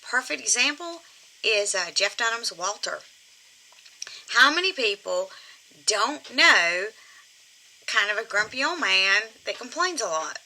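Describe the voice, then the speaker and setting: A woman's voice: medium pitch, sing-song, unhurried, long pauses, sharp tone, rough recording. A woman comic ventriloquist giving an informal, chatty lesson, drifting into asides as she explains. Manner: chatty, digressive, addresses her puppet. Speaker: comic ventriloquist teaching puppetry. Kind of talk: informal instructional talk.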